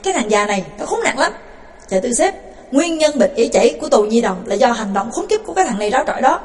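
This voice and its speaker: A woman's voice: fairly high pitch, very animated, fast, darkish tone, in a large hall. A woman voicing a bossy teenage boy who leads a prison gang, barking orders and sneering with mock politeness. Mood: mock-polite.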